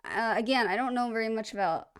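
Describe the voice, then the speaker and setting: A woman's voice: on the high side, fast, clean tone. A woman hosting a reaction video, chatting casually in an upbeat, rambling way and poking fun at herself.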